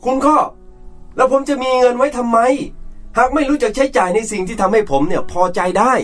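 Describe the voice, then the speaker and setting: A man's voice: high-pitched, big pitch swings, fairly quick, a bit bright, faint music behind, heavily acted. A man playing a domineering rich businessman. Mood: indignant. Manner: bossy, scolding, self-righteous. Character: domineering rich middle-aged businessman father.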